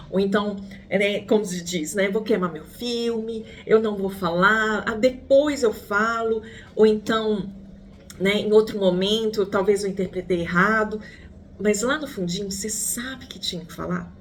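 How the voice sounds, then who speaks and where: A woman psychologist with a Brazilian Portuguese accent speaks in a medium-pitched voice, teaching her lesson in a chatty way. She addresses the listener as a friend and keeps asking questions. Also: darkish tone, slight background noise. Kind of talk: online lesson.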